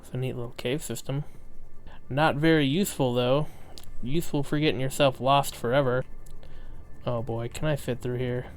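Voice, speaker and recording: A man with a lisp giving excitable, self-mocking commentary while streaming a game, swearing now and then. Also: mid-range voice, moderate pace, soft background music. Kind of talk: casual gameplay commentary.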